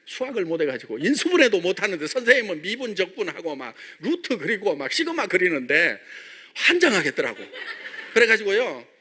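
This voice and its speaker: A man's voice: sits high, very animated, a little fast, bright, forceful tone, slightly rough. A middle-aged man from Jeolla, a company chairman giving a joking motivational stage speech full of rhetorical questions to his members. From Jeolla, South Korea.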